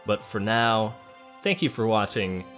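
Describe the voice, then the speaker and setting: Male let's play host, lowish voice, conversational and thinking aloud, light music behind. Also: a little slow, a bit bright. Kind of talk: casual game commentary. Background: game music.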